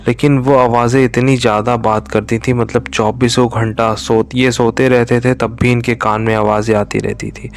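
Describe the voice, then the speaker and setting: Man, horror storyteller, slow, mid-pitched, hushed, faint background music. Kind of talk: narrating a true horror story.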